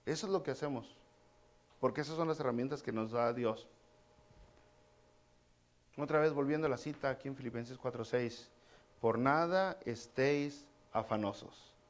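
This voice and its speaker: A man's voice: medium pitch, normal speed, long pauses. A man preaching a casual, conversational sermon, repeating key phrases and calling his listeners brother. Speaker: pastor.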